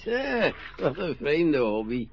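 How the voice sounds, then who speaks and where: A slow, gravelly voice with a lively swing in pitch, a curious gentleman who keeps asking questions, as played by a man in a radio play. The sound is dull and lo-fi with faint music behind. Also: exaggerated voice. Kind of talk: Dutch radio play acting.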